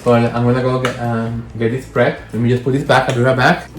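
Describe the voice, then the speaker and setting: A man's voice: medium pitch, level tone, fast. A man with a Spanish accent talking through a candle-making session in a casual, rambling way, often correcting himself as he goes. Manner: rambling, self-correcting, chatty. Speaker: candle maker. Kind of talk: casual hands-on tutorial. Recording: roomy echo, faint music.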